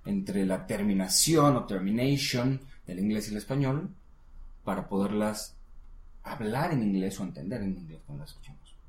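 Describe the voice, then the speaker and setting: A man giving a casual one-on-one English lesson, patiently coaching and modelling words slowly. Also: on the low side, animated, echoey room. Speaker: English teacher.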